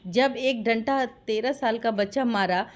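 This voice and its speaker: A woman's voice: a little high, measured pace. A woman with a Bihari accent giving impassioned interview testimony, insistent and full of rhetorical questions. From Bihar, India. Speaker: interviewee giving her account of a dispute.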